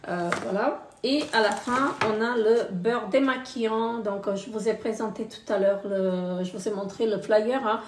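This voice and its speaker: A woman's voice: medium pitch, steady tone, normal speed, few pauses, distant mic, noisy background. Hesitant woman vlogger, roomy sound. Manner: hesitant, many fillers, reads product blurbs aloud. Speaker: beauty box unboxing vlogger. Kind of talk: casual unboxing commentary. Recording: roomy, a bit off-mic.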